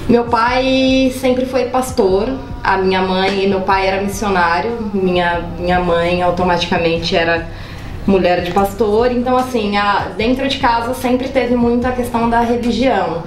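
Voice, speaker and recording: A woman, calmly telling her story as a guest. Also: medium pitch, moderate pace. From Piracicaba, São Paulo state. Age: 20s. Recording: echoey room with faint background noise.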